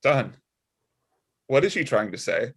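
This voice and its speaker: A man's voice: medium pitch, sing-song, measured pace, husky, heavily acted. A man acting a devout, fussy Catholic deacon father in a comedy table read, with sanctimonious, sugary jabs. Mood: wounded, prim.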